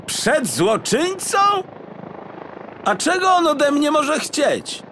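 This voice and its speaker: A man plays a flustered detective from a children's story, whiny and indignant. The high, forceful voice leaps about in pitch. There is faint helicopter noise behind. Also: big pitch swings, takes it slowly, full character voice. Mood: alarmed. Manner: indignant, exclamatory, stammering. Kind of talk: audiobook character acting for children.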